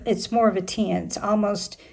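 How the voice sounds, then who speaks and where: A woman in later life, a retired teacher, chatting casually to her vlog viewers in a slightly hoarse voice and thinking aloud as she goes. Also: mid-range voice, fairly even intonation, a little slow, darkish tone. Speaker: vlogger.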